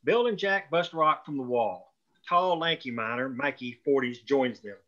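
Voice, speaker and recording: A man narrates the stage directions of a screenplay. His voice is bright and mid-pitched, reading scripted action at a table read. The recording is somewhat dull and lo-fi. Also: animated, moderate pace.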